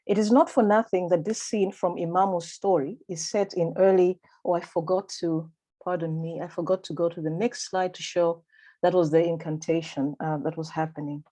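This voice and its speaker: A woman with a Malawian accent presents a prepared conference paper. Her voice sits fairly low and sounds mellow and relaxed. She speaks in a measured, formal and deliberate way, like a lecture given over a video call. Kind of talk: reading a prepared academic paper.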